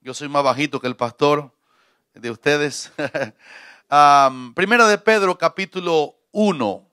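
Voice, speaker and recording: A man's voice: fairly high pitch, slow, pushed and bright, smooth, dry recording, clean studio sound. A middle-aged man from Cuba, a visiting pastor preaching a jovial sermon in church on a handheld mic. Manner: jovial, preacherly, joking with congregation.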